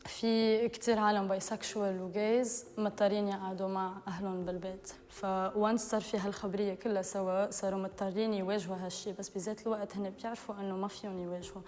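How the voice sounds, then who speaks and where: A woman's voice: mid-range voice, level tone, fast talker, few pauses, a little mellow, big-room sound. A woman with a Lebanese Arabic accent, speaking matter-of-factly in a recorded interview. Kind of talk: video interview testimony.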